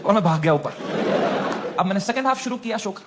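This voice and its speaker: A male stand-up comedian, telling a story on stage in lively, code-switching style. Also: sits high, fast, heavy background noise. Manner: animated, switching between Hindi and English. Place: live comedy stage with audience.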